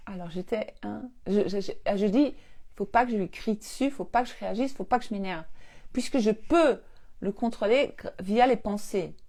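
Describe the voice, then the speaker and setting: A woman coach telling a family story casually to her viewers on a live stream. She is animated, laughs often and acts out the dialogue. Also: mid-range voice, normal speed.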